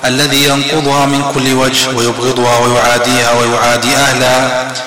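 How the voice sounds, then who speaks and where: A man reading a religious text aloud in a formal, measured recitation during a lesson. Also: medium pitch, monotone, echoey room, long reverb tail, over a noisy crowd, rough recording.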